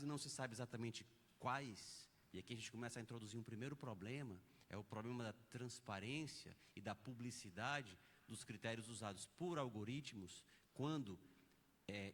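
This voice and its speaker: A man's voice: mid-range voice, a bit bright. A Brazilian man delivers a conference lecture in a mid-range voice. He is patient and explanatory, building his points with examples. His words ring out with the long reverb of a big auditorium. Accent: Brazilian Portuguese. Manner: didactic, explains step by step with examples.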